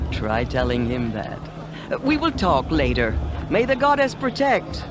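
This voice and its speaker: An actress playing a kindly, spirited elderly tribal matriarch in a video game, warm and wry yet commanding. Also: female voice, low-pitched, wildly swooping pitch, slow pace, music in the background, heavily acted. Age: older.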